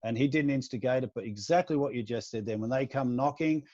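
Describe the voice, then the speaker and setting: A man's voice: medium pitch, fast, darkish tone, dry recording. A man co-hosting an interview, retelling stories in a rambling way with frequent restarts. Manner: rambling storyteller with many restarts. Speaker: podcast co-host. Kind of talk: casual interview talk. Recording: dull lo-fi dry sound.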